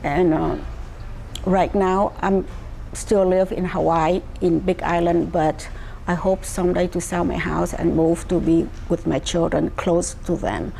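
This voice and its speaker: An older woman from Vietnam with a Vietnamese accent, telling her life story slowly, with many pauses and fillers. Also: on the low side, flat delivery, gravelly, warm tone, slight background noise, rough recording. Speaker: interviewee.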